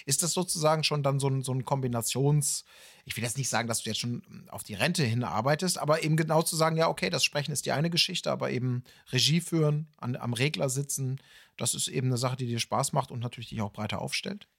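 A man of medium pitch with a noticeable creak in his voice co-hosts a conversational interview. He talks in a roundabout way, qualifying and rephrasing as he goes. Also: fast talker. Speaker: podcast host.

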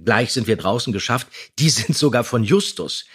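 A man co-hosting a podcast, chatting casually in a slightly husky voice. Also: medium pitch, animated, normal speed. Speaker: podcast co-host. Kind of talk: casual chat.

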